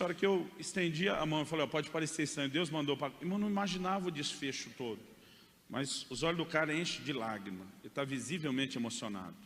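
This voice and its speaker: A man's voice: mid-range voice, a bit bright. A male pastor with a Brazilian Portuguese accent telling a personal testimony in a chatty, conversational sermon style. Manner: conversational storytelling, addresses listeners as "irmão". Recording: echoey hall with faint noise.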